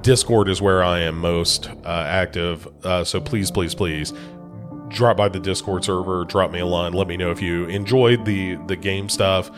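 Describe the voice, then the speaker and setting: A man's voice: low voice, steady tone, moderate pace, music in the background. A man from the United States hosting a podcast, a bit congested from a cold, talking casually with lots of ums and restarts. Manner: rambling, many fillers and restarts. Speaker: podcast host.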